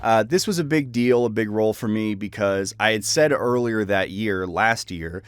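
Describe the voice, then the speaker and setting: A man's voice: on the low side, moderate pace, smooth. A young adult man, a voice actor, talking casually and reflectively about his work. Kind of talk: casual reflective commentary on own roles.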